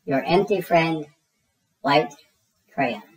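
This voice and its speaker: A woman's voice: low-pitched, expressive, slow pace, rough recording. A woman voicing a forlorn, neglected white crayon in a storybook, in a plaintive manner. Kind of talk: children's storybook read-aloud.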